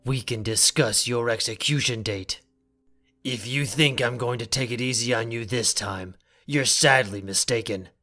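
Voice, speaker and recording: A man's voice: mid-range voice, unhurried, bright, forceful tone. An actor playing a cold, proud man in an audio drama, clipped and threatening with contained fury. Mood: cold contempt.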